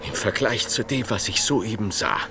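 An actor playing a weary, ecstatic medieval master scholar in a radio play, halting and breathy in his exclamations, prone to giddiness. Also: lowish voice, background noise. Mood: solemn resignation. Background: music.

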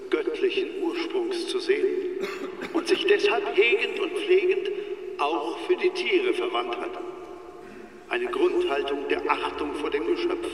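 An actor playing a solemn, measured clergyman giving a ceremonial welcome to a church congregation. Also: a little high, a bit bright, full character voice. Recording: echoey cathedral reverb, distant from mic.

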